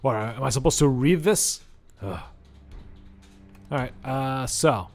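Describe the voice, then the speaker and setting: A man's voice: mid-range voice, animated, slow pace, soft background music. A young Portuguese man with a Portuguese accent, rambling and joking as he streams a game. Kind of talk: let's-play commentary.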